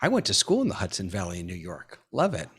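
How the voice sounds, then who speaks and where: A man's voice: low voice, wildly swooping pitch, fast talker, a bit bright, slightly rough. A man hosting a live webinar over a video call, chatty and upbeat with lots of fillers. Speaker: webinar host.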